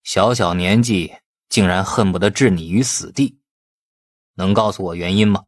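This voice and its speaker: A man's voice: deep voice, moderate pace, no room sound, studio quality, pitched below the performer's own voice, lightly acted. A man voicing a stern middle-aged police chief in an audiobook, questioning with patient, insinuating manner. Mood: probing.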